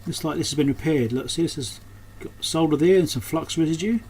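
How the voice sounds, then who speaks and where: Fairly quick and a little mellow, this voice sits on the high side. It belongs to an electronics repair channel host giving loose, off-the-cuff hands-on commentary while he thinks aloud over a clearly noisy background.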